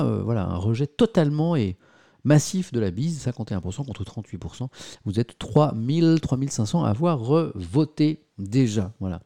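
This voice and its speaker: A man's voice: mid-range voice, creaky, mellow. A man hosting a live-streamed press review, chatting casually with his viewers and mocking himself, with many fillers and restarts.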